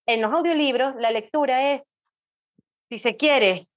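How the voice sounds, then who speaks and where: A woman's voice: sits high, a little slow. A woman guest explaining things casually and talkatively, often checking in with little tag questions, on a slightly dull recording. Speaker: podcast guest, audiobook specialist.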